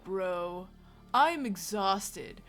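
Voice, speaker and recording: A woman's voice: mid-range voice, unhurried, soft background music, natural voice. A woman voicing a laid-back, exhausted party-loving dude in a game, drawling in slacker slang. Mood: weary, mellow.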